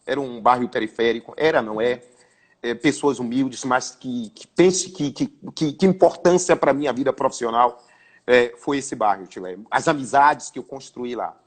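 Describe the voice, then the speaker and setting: A man's voice: medium pitch, moderate pace. A man, a radio broadcaster and sports commentator, telling an anecdote in an interview, repeating and restarting words as he goes. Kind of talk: storytelling in a casual interview.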